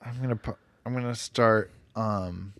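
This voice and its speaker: A man's voice: on the low side, a little slow, fairly bright tone. An American man co-hosting a podcast in casual, joking banter. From United States. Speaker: podcast co-host.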